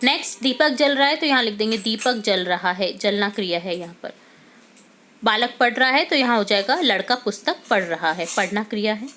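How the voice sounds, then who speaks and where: A woman teacher patiently working through a grammar worksheet step by step, often pausing to check in with her students. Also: mid-range voice, animated, pushed and bright, a little hiss or hum. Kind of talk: worksheet solution lesson.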